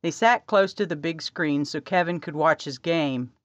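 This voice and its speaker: A woman narrating a romance audiobook in a measured, even storytelling manner. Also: low voice, no echo, lo-fi sound. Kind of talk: scripted narration.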